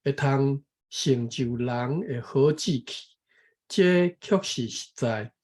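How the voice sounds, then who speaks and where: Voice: medium pitch, slow pace, darkish tone. A speaker from Taiwan reading a text aloud and explaining it, careful and correcting pronunciation syllable by syllable. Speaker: co-host and reading teacher.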